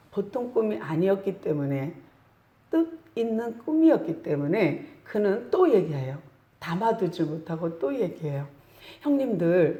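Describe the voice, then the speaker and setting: A woman pastor preaching a sermon in a church, telling the story with animated, acted-out voices. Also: fairly low pitch. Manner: animated storytelling, acts out quotes. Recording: echoey room.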